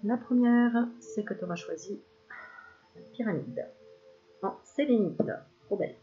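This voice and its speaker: A woman giving a casual spiritual card reading to the viewer, chatty and quick to laugh, self-filmed at home. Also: mid-range voice, dark tone. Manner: chatty, laughs often, addresses viewer familiarly. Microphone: self-filmed camera. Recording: slightly dull lo-fi sound, faint hiss.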